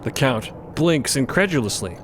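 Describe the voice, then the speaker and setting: A man's voice: mid-range voice, expressive, normal speed, noisy background. A man narrating a scripted audio drama, describing the scene and the characters' actions.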